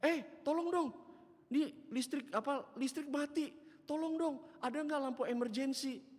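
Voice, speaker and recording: A man voicing a grumpy, blunt old woman neighbor with a Betawi accent, speaking in a brusque, shrill way. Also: very animated, fast. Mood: panicked. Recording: reverberant church hall.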